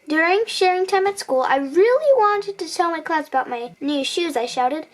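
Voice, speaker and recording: A woman's voice: very high voice, expressive, normal speed. A young girl reading a picture book aloud, acting out the quoted lines and sometimes stumbling over words. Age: child. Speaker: reader on a family video channel.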